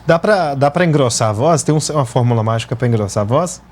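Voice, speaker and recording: A man's voice: mid-range voice, expressive, quick pace. Chatty Brazilian male host. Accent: Brazilian Portuguese. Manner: chatty, playful questions. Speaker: host and radio announcer. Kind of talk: TV interview.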